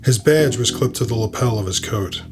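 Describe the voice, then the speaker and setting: A man's voice: mid-range voice, moderate pace. A man reading scripted first-person fiction as the narrator of an audio story.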